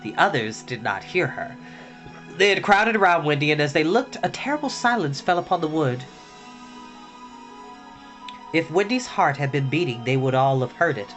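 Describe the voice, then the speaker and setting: A man's voice: a little high, very animated, brisk, a bit bright. A man reading a children's storybook aloud in a theatrical, dramatic way. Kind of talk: expressive reading of a children's novel. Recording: music playing behind the voice.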